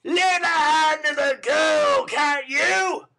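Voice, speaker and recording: A man voicing a brutal, hot-tempered male robber in a storybook reading, shouting savagely. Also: extremely high pitch, takes it slowly, creaky, pitched above the performer's own voice, exaggerated voice.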